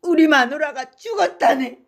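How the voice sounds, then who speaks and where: A woman voicing a drunken middle-aged rickshaw man, shouting and slurring with loud bluster. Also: high-pitched, lively intonation, normal speed, pitched above the performer's own voice. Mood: drunken grief.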